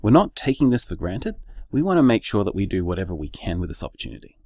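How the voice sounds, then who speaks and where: An actor playing an earnest gay bar co-owner in a radio drama interview, with an Australian accent and an articulate, measured manner. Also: male voice, deep voice, big pitch swings, a little mellow, dry recording, clean studio sound, heavily acted.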